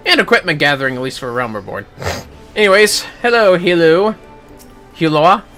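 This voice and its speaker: A man's voice: a little high, animated, moderate pace, sharp tone, faint music behind. A man giving casual, offhand game livestream commentary, muttering asides to himself as he plays. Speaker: game streamer.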